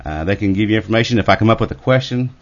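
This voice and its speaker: A man with a low voice hosts a radio show and introduces his guests, pausing often with filler sounds. The studio recording is dull and lo-fi. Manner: hesitant, lots of uh.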